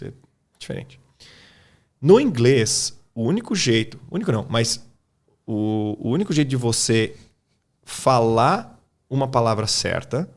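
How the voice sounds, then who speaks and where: In casual podcast talk, a Brazilian English teacher explains his method informally, regularly checking in with "tá?" and "cara" to keep the listener on track. His voice is on the low side, with vocal fry.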